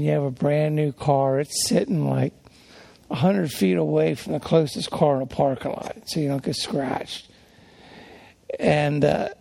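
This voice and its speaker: A middle-aged pastor with a soft-spoken, folksy way of talking, preaching a sermon that wanders through personal stories. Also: male voice, fairly high pitch, creaky, no echo.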